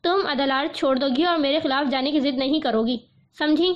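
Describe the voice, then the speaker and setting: Woman doing a cold bossy young guy, curt and firm, high voice, kinda dull lo-fi sound. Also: close to an everyday voice. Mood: stern. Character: stern, guarded young man giving cold orders.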